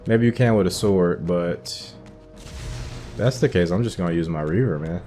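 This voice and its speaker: A man with a low, deep voice talks his viewers through a video game. He speaks casually, as a streamer commenting on his own play. Music plays clearly behind him. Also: normal speed, mellow. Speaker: gaming streamer doing a playthrough.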